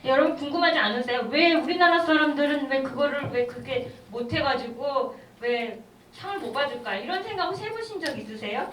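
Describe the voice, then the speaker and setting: High-voiced woman questioning a hall audience. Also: a little fast, fairly bright tone. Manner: engaging, rhetorical questions to the audience. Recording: echoey hall, distant mic, faint noise.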